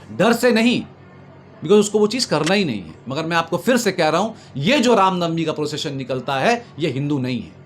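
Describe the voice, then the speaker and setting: A man making an impassioned political argument, emphatic and repetitive, building his points in oratorical lists. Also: high-pitched. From Bengal, India. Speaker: political commentator being interviewed. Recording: noticeable background noise.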